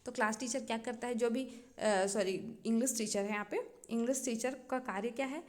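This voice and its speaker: A woman teacher with a Chhattisgarh accent gives an exam-prep lecture in a fairly high voice. She explains patiently, step by step, and keeps checking that her class is following. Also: darkish tone. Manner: explains slowly, often checks with "है ना" and "ठीक है".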